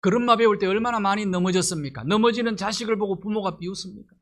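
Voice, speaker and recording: A man's voice: high voice, fast, fairly bright tone. A middle-aged male pastor delivering a sermon, pressing his points with rhetorical questions and rising emphasis.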